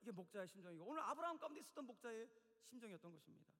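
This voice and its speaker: High, animated male pastor preaching. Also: racing. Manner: animated storytelling, acts out quotes. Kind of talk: sermon. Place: church sanctuary. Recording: long church hall reverb.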